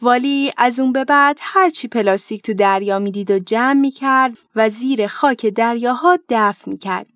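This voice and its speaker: A woman hosting a children's program, gently narrating a storybook tale and speaking to parents. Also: fairly high pitch, hardly any pauses, no room sound, clean studio sound.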